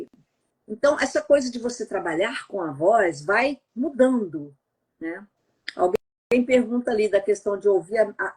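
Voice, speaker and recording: Husky middle-aged Brazilian woman, chatty. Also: mid-range voice. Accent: neutral Brazilian Portuguese, no regional accent. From Goiás, Brazil. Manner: chatty, frequent "né?" tags, laughs easily. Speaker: voice actress and translator, podcast guest. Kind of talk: casual interview storytelling. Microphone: remote call.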